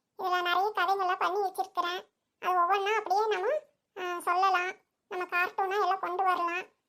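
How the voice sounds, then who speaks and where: A woman puts on a cartoonish character voice with an extremely high pitch. Her intonation stays monotone and flat at a moderate pace. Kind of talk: cartoon voice acting. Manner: chatty, homely.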